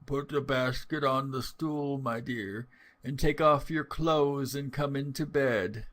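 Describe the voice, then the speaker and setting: A man voicing a large, hungry, wicked wolf who speaks slowly and slyly, with a falsely gentle tone, in a storybook reading. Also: medium pitch, fairly even intonation, pitched above the performer's own voice. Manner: slow, sly, falsely gentle.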